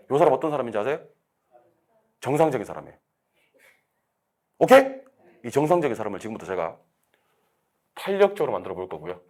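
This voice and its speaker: A man lecturing a real estate exam class, drilling students with quick questions and answering them himself. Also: medium pitch, darkish tone. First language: Korean.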